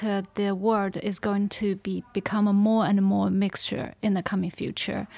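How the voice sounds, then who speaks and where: Woman architect, flat steady delivery with some vocal fry. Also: mid-range voice, dry recording. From China. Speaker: architect guest. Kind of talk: interview answer.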